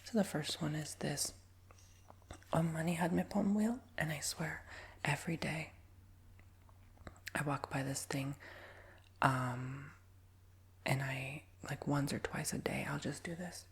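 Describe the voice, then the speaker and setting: A man in his twenties with a nasal, raspy voice, giving a soft, rambling ASMR whisper with many fillers. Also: a little high, steady tone, takes it slowly, pauses often. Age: 20s. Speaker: ASMR creator.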